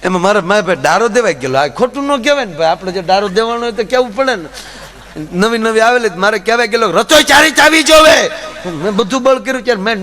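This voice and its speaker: A man telling comic folk stories on stage, acting out the voices of the people in them. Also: sits high. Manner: lively storytelling with acted-out voices. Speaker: folk comedian. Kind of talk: Gujarati stand-up storytelling. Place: stage program before an audience.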